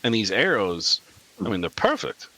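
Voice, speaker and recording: A man playing in a tabletop game, talking casually in character with profanity and halting restarts. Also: on the low side, huge pitch swings, pushed and bright. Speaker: player.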